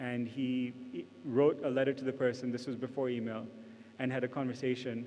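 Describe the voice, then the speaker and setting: With an American accent, a man talks at a fairly quick pace in a monotone, flat intonation, amid audible room echo and noticeable background noise. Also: medium pitch for a man. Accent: American-sounding despite Indian upbringing. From India, Delhi. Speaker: entrepreneur, company founder. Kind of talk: conference talk. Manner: conversational with fillers.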